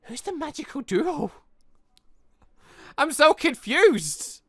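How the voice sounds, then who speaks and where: A woman giving casual let's play commentary, reading game dialogue aloud and rambling as she thinks out loud with animated reactions. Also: high-pitched, slow, no echo, studio quality. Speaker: gaming channel host.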